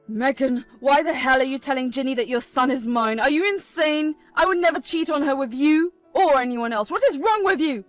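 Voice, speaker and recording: A woman's voice: high voice, animated, normal speed, fairly bright tone, no echo, soft background music. A woman voicing a young husband who speaks firmly and with exasperation. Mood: angry. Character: young husband, firm and frustrated.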